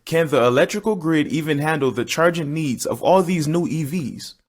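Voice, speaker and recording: A man plays a skeptical fellow with a somewhat high voice. He is inquisitive and challenging, talking conversationally in a scripted promotional dialogue. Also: normal speed, lightly acted. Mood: skeptical, curious. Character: skeptical, inquisitive man quizzing his cousin about cars.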